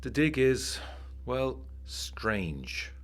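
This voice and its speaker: An actor playing a haunted, uneasy war veteran of the 1920s, narrating his letters in a measured, literary, brooding way for a gothic audiodrama. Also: mid-range voice, big pitch swings. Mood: brooding, grave.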